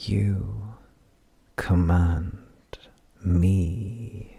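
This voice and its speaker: Whispering, a man puts on a character voice. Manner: excited, ecstatic, whispery.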